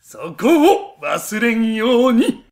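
A man's voice: very high voice, sing-song, slow, creaky, a little mellow, full character voice. A man voicing a proud, doting old heavenly emperor who explains things in old-fashioned elder's speech for an educational story. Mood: solemn, encouraging. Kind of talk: scripted educational story narration.

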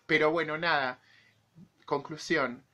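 Man, forties, Argentine accent, fairly high pitch, voice under the weather, personal opinion vlog monologue. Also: steady tone, takes it slowly, pushed and bright. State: recovering from an infection, voice affected. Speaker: YouTube vlogger.

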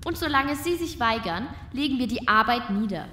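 A woman's voice: fairly high pitch, animated, moderate pace, sharp tone, roomy sound, recorded from a distance. A woman playing a respectful but determined castle maid in a comic fairy-tale audio drama. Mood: defiant, polite.

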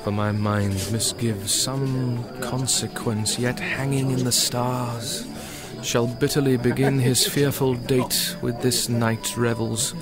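An actor with a British accent playing a melancholy, lovesick young nobleman in a Shakespearean radio drama, earnest and poetic. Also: on the low side.

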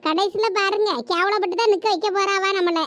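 A woman's voice: very high-pitched, fairly even intonation. A woman with a Thoothukudi Tamil accent playing a village mother who keeps scolding and nagging her daughter in a comedy skit. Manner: scolding, quick sharp nagging.

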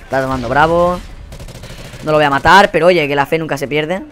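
A young man with a Spain Spanish accent giving live gameplay commentary. He rants in a profane, exasperated way and often bursts into yelling. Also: fairly high pitch, fairly quick, slight background noise. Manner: profane, exasperated ranting with sudden yelled outbursts. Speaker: gaming channel host.

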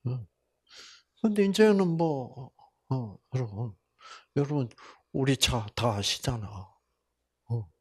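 An older man gives a Bible lecture full of personal stories, his voice gravelly and husky. He talks slowly, and his pitch rises and falls a lot. He jumps from loud exclamations to quiet asides. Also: expressive. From Korea (Busan). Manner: folksy storytelling, swings between loud exclamations and soft asides. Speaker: health seminar lecturer.

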